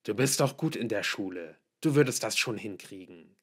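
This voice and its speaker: A man's voice: fairly low pitch, animated, normal speed, husky. A man voicing a worried, frustrated middle-aged father in an audiobook, pleading insistently and emphatically with his daughter.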